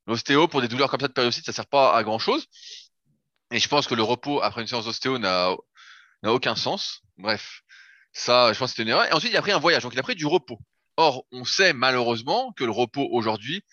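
In a mid-range voice with a sharp tone, this man, a fitness coach, walks through his method step by step in a casual podcast chat, swearing now and then. The recording sounds dull and lo-fi, with no room sound.

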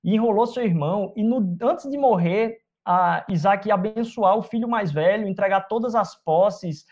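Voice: mid-range voice, darkish tone. Um pregador com sotaque brasileiro prega de forma coloquial e direta, cheio de perguntas retóricas e um ritmo de conversa. A gravação soa abafada e de baixa fidelidade. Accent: Brazilian Portuguese. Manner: conversational, rhetorical questions. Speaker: preacher. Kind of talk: sermon. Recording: dull lo-fi recording.

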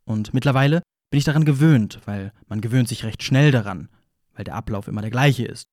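A man's voice: medium pitch, a little fast, a little mellow, dry recording, clean studio sound, close to an everyday voice. A man playing a wry, wounded narrator who confesses in a rambling, repetitive way, in an audio play monologue. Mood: wounded, resigned. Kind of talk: audio play monologue, ironic first-person storytelling.

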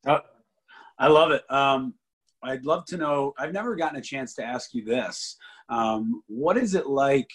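A man's voice: medium pitch, a little slow, husky. A man interviewing a guest in a casual way, curious and piling up one follow-up question after another.

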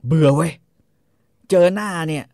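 A man voicing a lazy, brutish young husband who is loud, crude and dismissive. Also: sits high, big pitch swings, moderate pace, creaky, no echo, studio quality, voice pushed up, full character voice. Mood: fed up.

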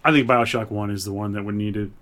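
A man's voice: fairly low pitch, fairly even intonation, quick pace, a bit bright. Man casually hosting a podcast chat. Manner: reads out listener suggestions and reacts. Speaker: podcast host. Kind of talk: casual chat about games and films.

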